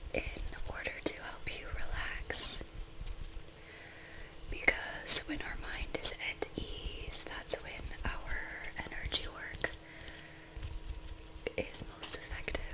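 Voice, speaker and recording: A woman whispers in a calm tone at a very slow pace, with long, frequent pauses. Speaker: reiki practitioner. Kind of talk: ASMR reiki session. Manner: whispered; soft-spoken, calm. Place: home room. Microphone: studio mic.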